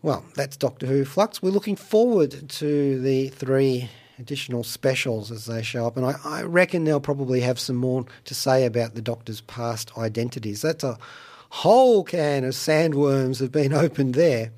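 A man presents chatty radio commentary in a medium-pitched voice. His delivery is wry and playful, with deliberate phrasing and little theatrical asides. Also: darkish tone. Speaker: radio show host and reviewer. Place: radio studio.

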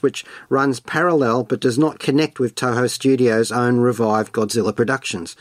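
A man's voice: medium pitch, no room sound. Wordy, playful male radio host, dry close sound. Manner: playful, wordy, colloquial delivery. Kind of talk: scripted film and music commentary.

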